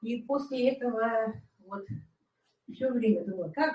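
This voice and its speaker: With lively intonation and a fairly high pitch, a woman talks at a moderate pace. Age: 60s. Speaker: network marketing distributor. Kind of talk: testimony.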